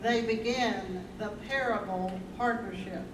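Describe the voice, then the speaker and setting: A woman's voice: mid-range voice, a little slow. A woman narrating in a staged play reading, delivering scripted lines. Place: live staged reading in a room. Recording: echoey room, distant mic, noisy.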